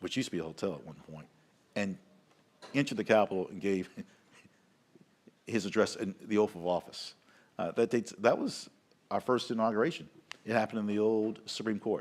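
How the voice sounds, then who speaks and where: Speaking at a fairly quick pace with a Southern US accent, a man swings widely in loudness, uses ordinary pitch variation and leaves long, frequent pauses. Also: fairly low pitch for a man. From US South. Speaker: Capitol tour guide. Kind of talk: live commentary. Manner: halting.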